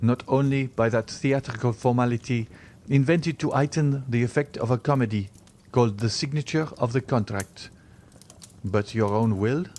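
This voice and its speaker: A male narrator voices a proud young lover at a middle pitch, with earnest, formal intensity and a devotion edged by bitterness and desperation, in the style of a classic-novel reading. The delivery is normal speed, a little mellow, and lightly acted, with a sorrowful mood.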